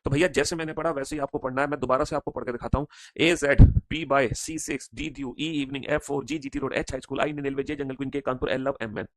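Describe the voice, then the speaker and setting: A man teaching a class, repeating every line and drilling students in loud call-and-response recitation. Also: medium pitch, fairly even intonation, quick pace, no echo. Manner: drills students aloud, repeats each line, calls them son. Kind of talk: classroom lesson.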